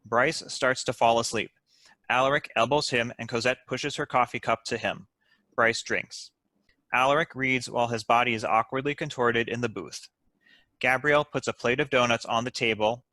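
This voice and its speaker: A man's voice: medium pitch, sharp tone, no room sound. A man reading stage directions as scripted narration for a comedy table read.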